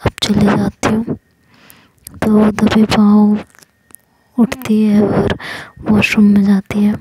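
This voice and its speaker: A woman narrating a love story in a soft whisper, close to the mic. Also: medium pitch, slightly rough, rough recording.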